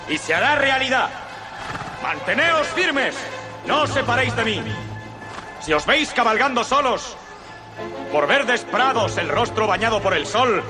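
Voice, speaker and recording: Roaring Roman general rallying troops. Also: male voice, very high voice, heavily acted. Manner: roaring, rallying battle speech. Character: Roman general rallying his soldiers before battle. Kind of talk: dramatic film acting, dubbed battle speech. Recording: film soundtrack with music behind.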